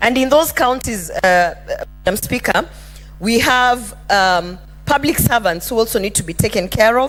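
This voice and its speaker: Lively intonation from a woman with fairly high pitch, amid noticeable background noise. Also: moderate pace. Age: young. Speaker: senator. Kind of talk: parliamentary speech. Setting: parliament chamber. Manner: formal.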